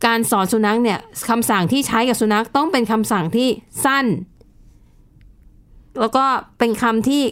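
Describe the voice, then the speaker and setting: A woman's voice: on the high side, normal speed. A woman co-hosting a casual news chat show, explaining with examples and adding polite particles. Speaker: radio news co-host.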